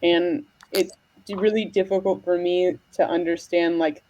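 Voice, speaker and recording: A woman's voice: on the low side, level tone, moderate pace, a little mellow. Rambling American woman chatting. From United States. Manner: rambling, heavy on fillers. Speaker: podcast host. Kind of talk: casual chat.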